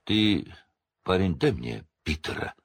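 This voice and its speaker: A man voicing a hoarse, haunted escaped male prisoner in a storybook reading. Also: low voice, big pitch swings, takes it slowly, exaggerated voice. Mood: grim.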